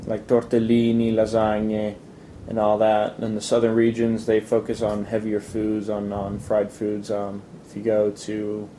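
A young man answers interview questions in a relaxed, stop-and-start way, filling the gaps with ums and uhs. His voice is deep-toned and very mellow. A faint rumble sits under the recording. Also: rough recording. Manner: relaxed, halting, many fillers and restarts. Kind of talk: casual interview.

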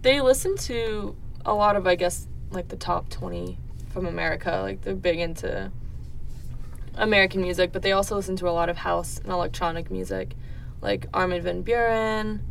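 A woman's voice: lowish voice, normal speed, gravelly. A young woman from the Netherlands answering interview questions in casual, tentative, informal phrasing. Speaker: interview guest. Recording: distant mic, faint background noise.

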